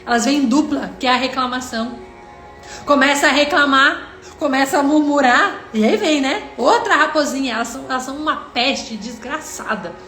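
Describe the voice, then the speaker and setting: A woman's voice: sits high, moderate pace, fairly bright tone. A Brazilian woman giving an earnest devotional on a live stream, talking straight to her viewers and retelling what God said to her. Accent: Brazilian Portuguese. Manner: earnest, addresses viewers directly, quotes God in dialogue. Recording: echoey room with faint music.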